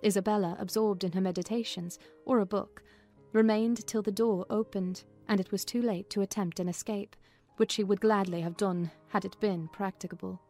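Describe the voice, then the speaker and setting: A woman's voice: medium pitch, fairly even intonation, normal speed, mellow. Woman narrating with music behind. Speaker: audiobook narrator. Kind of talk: scripted dramatic narration.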